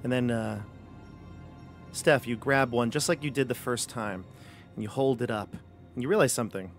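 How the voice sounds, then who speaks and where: A man's voice: mid-range voice, moderate pace, soft background music. A man running a tabletop game as game master over a video call, narrating loosely with lots of fillers. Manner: rambling, easygoing, many fillers. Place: home room, video call. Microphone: headset.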